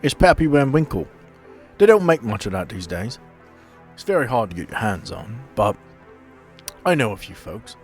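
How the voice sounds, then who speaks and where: A smooth, friendly male stranger, acted by a game master, talks like a folksy, courteous salesman. His low voice moves up and down with lively swings as he tempts the listener in a tabletop adventure, with music underneath. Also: normal speed. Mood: friendly, inviting. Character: smooth friendly tall stranger offering a sly bargain.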